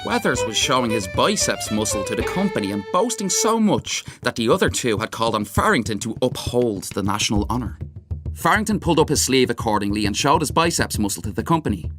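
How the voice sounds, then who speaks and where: A man narrating literary fiction as an audiobook reader, with dramatic, measured storytelling. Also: medium pitch, very animated, music in the background. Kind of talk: expressive scripted literary narration.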